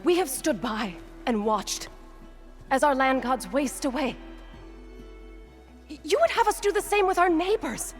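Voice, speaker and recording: A woman's voice: sits high, animated, unhurried, pauses often. An actress playing a solemn, grieving yet defiant tribal woman in a video game, speaking formally and earnestly. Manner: formal, earnest, weighty phrasing. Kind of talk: dramatic video game acting. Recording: music behind the voice.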